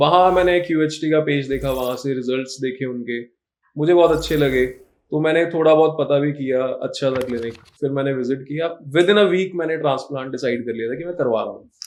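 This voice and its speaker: A man speaks with a slight Punjabi accent. His pitch sits fairly high. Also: ordinary pitch variation, moderate pace. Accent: Punjabi touch in Hindi. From Punjab, India (Patiala). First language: Punjabi (speaking Hindi). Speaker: patient, comedy video creator. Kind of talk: testimonial interview. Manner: casual, chatty.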